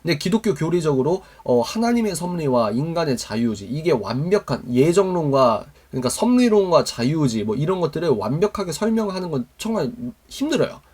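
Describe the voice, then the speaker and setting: A man's voice: fairly high pitch, sing-song, a little fast, hardly any pauses, darkish tone, slightly rough. A man teaching a Christian youth mentoring lesson, quizzing his listeners with call-and-response questions. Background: live online stream to viewers.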